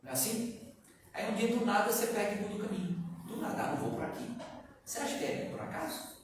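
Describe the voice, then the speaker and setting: A man with a Brazilian Portuguese accent giving a lively spiritist lecture to a live audience, asking them questions and chuckling often. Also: sits high, fast. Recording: echoey room, far from the mic, background noise.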